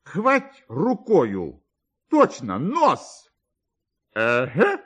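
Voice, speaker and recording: A man voicing a flustered, excitable, vain minor official in a radio story, with drawn-out exclamations. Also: fairly high pitch, slightly rough, heavily acted. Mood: excited. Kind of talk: dramatic radio story acting.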